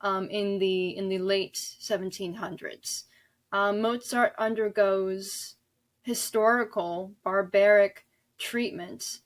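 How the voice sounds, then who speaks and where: A woman being interviewed as an author, talking conversationally and explaining earnestly, in a halting way. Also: medium pitch, steady tone. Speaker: guest author discussing their novels.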